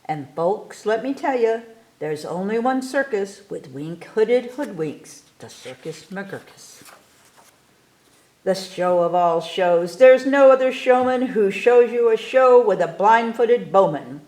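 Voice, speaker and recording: A woman voicing a boastful, excitable young boy showman in a storybook, with grandiose carnival-barker delivery. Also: medium pitch, slow. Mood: grand, excited. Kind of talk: storybook read-aloud. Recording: echoey room.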